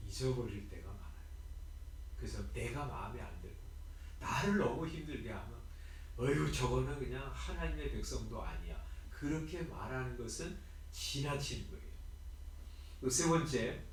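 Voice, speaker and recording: Korean pastor preaching in an echoey church. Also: male voice, medium pitch, a little hiss or hum. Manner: conversational preaching with fillers and rhetorical questions. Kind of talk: early morning sermon. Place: church sanctuary. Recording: very echoey church hall, mic at a distance.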